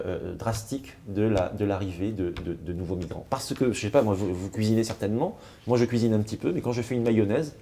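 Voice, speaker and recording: A man of Algerian descent, speaking in a panel discussion in a measured way, with frequent hesitations and repeated words. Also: on the low side, warm tone. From France, of Algerian descent. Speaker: panel guest.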